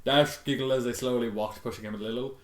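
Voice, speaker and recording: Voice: medium pitch, steady tone, fast talker. A reader giving a theatrical, foul-mouthed comedic reading of fan fiction, breaking into exasperated commentary. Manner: foul-mouthed, exasperated outbursts between read passages. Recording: echoey untreated room.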